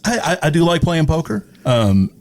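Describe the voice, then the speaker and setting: A man's voice: on the high side, big pitch swings, moderate pace, a little mellow. A middle-aged man from East Texas chatting casually as an interview guest, hesitant and often repeating words. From East Texas, United States. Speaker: interview guest, radio personality. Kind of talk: casual chat.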